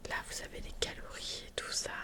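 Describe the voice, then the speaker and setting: A woman whispering through a live ASMR stream, chatting to viewers in relaxed asides into a filtered studio microphone at home. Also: brisk. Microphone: studio microphone with noise filters.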